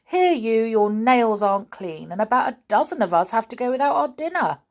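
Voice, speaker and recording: A woman's voice: on the high side, very animated, brisk, voice pushed up. A woman voicing a glum, complaining boy brownie at a harsh school. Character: unhappy boy brownie pupil, glum and eager.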